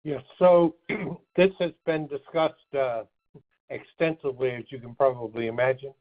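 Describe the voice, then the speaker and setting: A man giving measured, halting technical answers as a chief medical officer on a muffled phone conference call. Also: medium pitch, fairly even intonation. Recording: muffled narrow phone line.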